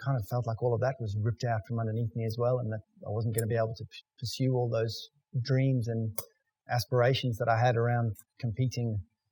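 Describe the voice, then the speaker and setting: The voice has a dark, mellow, somewhat breathy tone and a monotone, flat intonation. It goes at a very fast pace, in a dry, close sound with no echo. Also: man, medium pitch for a man. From South Africa (Natal). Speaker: interviewee sharing personal story. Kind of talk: interview testimony.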